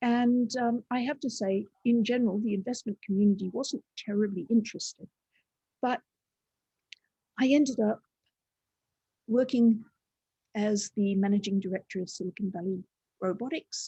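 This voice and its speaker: A woman with an Australian accent speaks at a fairly high pitch in a dark, mellow, somewhat breathy tone. Her long, frequent pauses sit in a dry, close sound with no echo. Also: ordinary pitch variation, moderate pace. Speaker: robotics industry organization director. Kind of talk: meetup presentation. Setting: hybrid online meetup.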